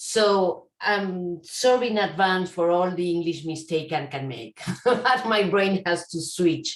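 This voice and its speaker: A woman speaks very slowly with hardly any pauses. Her pitch is fairly low and her intonation lively. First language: French. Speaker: advisory committee member. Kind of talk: committee meeting discussion.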